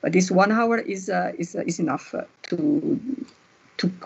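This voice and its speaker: Over background music, a woman talks at a moderate pace with very wide pitch swings. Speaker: urbanism professor giving a masterclass talk. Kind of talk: lecture. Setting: online video lecture.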